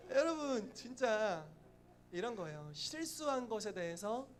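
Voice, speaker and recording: A man preaching a church sermon as pastor, animated, acting out voices and laughing often. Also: high-pitched. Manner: lively, acts out quoted voices, laughs often.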